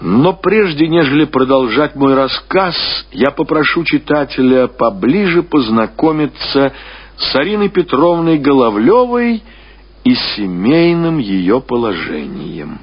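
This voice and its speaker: A man reading classic fiction as a narrator, in measured, expressive storytelling with deliberate pauses. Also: mid-range voice, breathy edge. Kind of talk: scripted literary narration. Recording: dull, lo-fi radio-style recording.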